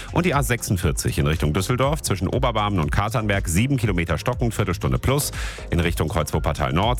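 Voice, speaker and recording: Chatty morning radio host over music. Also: male voice, lowish voice. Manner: chatty, joking, lively. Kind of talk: casual weather and traffic presenting. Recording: music bed behind voice.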